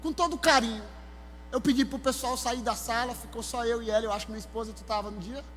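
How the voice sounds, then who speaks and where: A male pastor with a Maranhão accent, preaching a sermon with animated, exclamatory storytelling. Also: very high voice, fast talker. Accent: Maranhão, Brazil. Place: church sanctuary. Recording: hall reverb with soft music.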